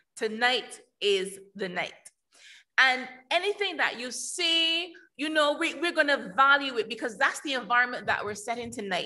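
A woman speaks at a moderate pace in a raised, projected voice, her high pitch swinging very widely and her tone bright and sharp. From Barbados. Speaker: workshop facilitator. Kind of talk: facilitated town hall meeting. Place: hall. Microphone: podium.

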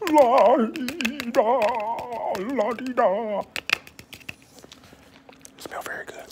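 A man speaks at an extremely high pitch and a very slow pace, with long, frequent pauses. Noticeable background noise runs underneath. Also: ordinary pitch variation. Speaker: ASMR creator. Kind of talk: casual talk to camera. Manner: whispered. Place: home room. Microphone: phone near.

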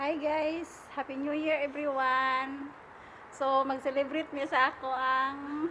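With a Philippine accent, a woman uses a raised, projected voice at a high pitch, speaking at a fairly slow pace. Her intonation is monotone and flat, and noticeable background noise is present. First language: Cebuano (speaking Tagalog). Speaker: vlogger. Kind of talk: casual vlog.

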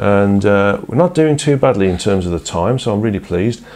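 A man with a West Midlands accent talks fairly quickly, his pitch swinging very widely, over noticeable background noise. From West Midlands, England. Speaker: spiritual lecturer. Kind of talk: lecture with Q&A and guided meditation. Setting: online broadcast. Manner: fast talker.

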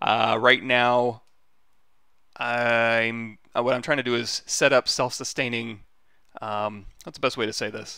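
A man talks at a very slow pace with long, frequent pauses, his bright, sharp tone flat and monotone, the sound dry with no echo against a quiet background. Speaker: 3D sculpting instructor streamer. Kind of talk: livestream tutorial. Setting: livestream screen-share, home. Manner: casual, rambling.

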